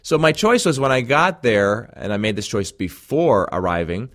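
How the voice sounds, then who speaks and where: A man's voice: medium pitch, sing-song, moderate pace, a bit bright. A man from Jamaica, speaking without an accent, earnestly talking listeners through a recorded self-help program as a coach. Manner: earnest, conversational, addresses listeners as friends.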